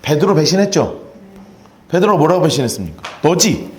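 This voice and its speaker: A male pastor preaching in an echoey church sanctuary. His voice sits high and swings widely in pitch as he acts out Bible scenes and has the congregation repeat after him. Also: a little fast, a little hiss or hum. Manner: animated preaching, acting out Bible dialogue and leading call-and-response. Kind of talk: sermon.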